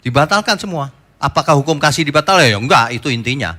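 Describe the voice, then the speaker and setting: A middle-aged man preaching a sermon as pastor, animated and joking, acting out the people he quotes. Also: on the high side, quick pace.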